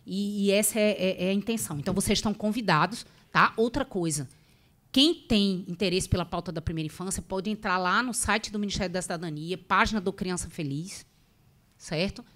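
A woman's voice: mid-range voice, brisk, a bit bright. Northeastern Brazilian woman, middle-aged, explaining informally. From Rio Grande do Norte, northeastern Brazil. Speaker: government official, guest speaker. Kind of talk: informal explanatory talk at a meeting. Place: legislative meeting room, indoors. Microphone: table boom microphone.

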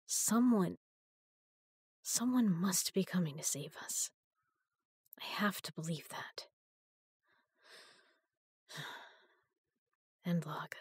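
A frightened woman locked in a prison cell, voiced by a woman in an audio drama. Her husky, breathy voice is slow and dry, recorded close to the mic in a dead room. She moves between weary hushed talk and desperate pleading. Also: on the low side, lively intonation, no room sound. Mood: hushed despair. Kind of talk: first-person sci-fi audio drama.

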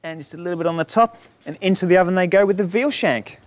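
A man's voice: high voice, fast, no room sound. A man with an Australian accent, a chef explaining a dish step by step on a studio kitchen set. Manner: relaxed, explanatory, chatty. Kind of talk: cooking demonstration.

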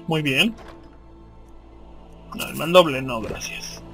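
A man's voice: on the high side, slow pace, vocal fry, fairly bright tone, soft background music. A man with a Mexican accent giving casual, slangy, profanity-laced commentary as he plays a video game.

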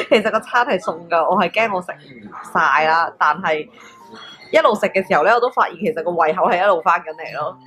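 A young woman with a Hong Kong Cantonese accent, narrating a travel vlog in a chatty, excitable way and exclaiming over food. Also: on the low side, brisk. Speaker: travel vlogger. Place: restaurant table, indoors. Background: background music.

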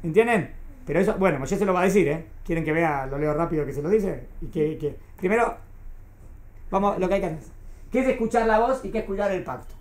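A woman's voice: on the low side, expressive, fast talker, a little mellow. Woman teacher in an echoey classroom. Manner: explains patiently, keeps checking if students follow. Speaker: Torah teacher. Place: classroom with a small group.

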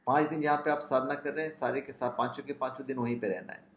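A man's voice: medium pitch, steady tone. A man hosting a spiritual channel, explaining a ritual step by step and reciting mantras and long lists of names in a chanting cadence. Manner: measured, listing names one by one in a chanting cadence. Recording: roomy, dull lo-fi sound.

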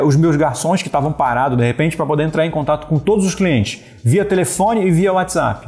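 A Brazilian man in his thirties coaches his viewers on running a business, talking to camera with lively hand gestures. His voice sits fairly high for a man. He keeps checking in with quick tag questions, recorded on an earphone mic in a small room. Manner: animated, gesturing, steady talk punctuated with "né?" and "beleza". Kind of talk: direct-to-camera business advice. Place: small indoor room with wooden slat wall. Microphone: wired earphone headset mic.

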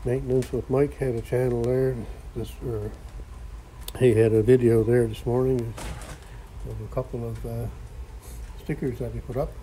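A man's voice: medium pitch, level tone, moderate pace, dark tone, a little hiss or hum, poor audio. A man rambling in a folksy way while filming in his cluttered home workshop garage. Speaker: vlogger. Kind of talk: casual workshop vlog.

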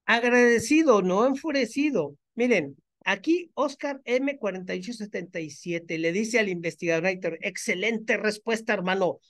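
A man's voice: sits high, animated, moderate pace, few pauses, a bit bright. A man giving mocking, sarcastic commentary as he reads out viewer comments. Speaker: religion critic commentator.

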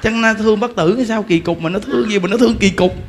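A man with a Southern Vietnamese accent giving a humorous Buddhist sermon, telling a story with lively repetition and frequent laughter. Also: high-pitched, quick pace, slight background noise. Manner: animated storytelling, repeats words, laughs often. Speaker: Buddhist preacher. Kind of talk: humorous dharma talk.

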